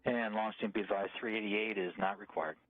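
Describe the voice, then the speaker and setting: A man's voice: lowish voice, fairly even intonation, fairly quick, dry recording. A man serving as launch conductor, calling formal countdown checks over a radio communications loop in a clipped, procedural manner. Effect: radio comm loop transmission. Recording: dry, tinny radio channel.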